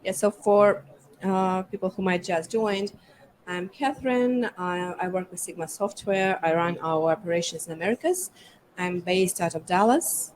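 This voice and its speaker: Seorang wanita dari Ukraina memandu diskusi panel dengan banyak jeda dan kata pengisi. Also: female voice, lowish voice, normal speed, darkish tone, rough recording. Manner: hesitant, many fillers. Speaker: panel moderator. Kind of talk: conversational panel hosting.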